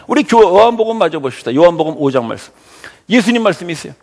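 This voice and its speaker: A man preaching a Sunday sermon as pastor, asking his congregation questions and answering them, dropping to near-whispers and rising to shouts. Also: sits high, big pitch swings, rapid-fire, in a large hall. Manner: swings from soft near-whispers to loud shouted exclamations. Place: church sanctuary.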